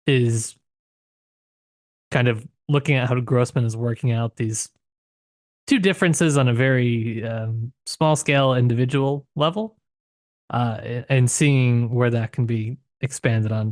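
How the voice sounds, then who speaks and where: A man's voice: medium pitch, dry recording, clean studio sound. A man co-hosting a podcast in casual book discussion, tentative, often circling back to rephrase as he thinks aloud. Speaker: podcast co-host.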